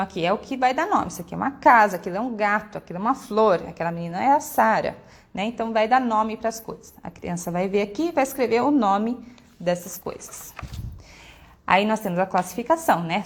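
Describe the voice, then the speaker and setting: A woman presenting children's schoolwork materials, explaining each exercise and often ending sentences with quick check-in questions. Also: medium pitch. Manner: explanatory, frequent "né?" and "tá?" tag questions; models stressed syllables and examples aloud. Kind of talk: walkthrough of a workbook.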